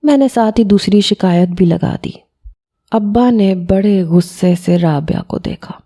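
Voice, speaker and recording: A woman's voice: medium pitch, dark tone. A woman narrating a first-person audio story as a schoolboy.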